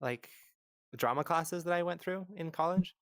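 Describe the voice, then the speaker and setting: A woman's voice: on the low side, normal speed, dry recording, studio quality. A trans woman co-hosting a podcast, chatty and jokey, with a light Californian accent. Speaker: podcast co-host. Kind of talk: casual chat.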